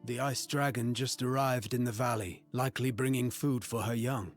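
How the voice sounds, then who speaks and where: An actor playing an earnest, driven, brooding mage in a fantasy game, speaking seriously and formally. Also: male voice, mid-range voice, fairly even intonation, normal speed, soft background music, close to an everyday voice. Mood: serious, focused.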